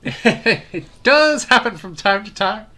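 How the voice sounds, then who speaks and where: A man's voice: high-pitched, animated, slow, pushed and bright, pitched above the performer's own voice, exaggerated voice. A man voicing a spirited, impatient young heroine from a fantasy game. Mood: eager. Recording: game music behind the voice.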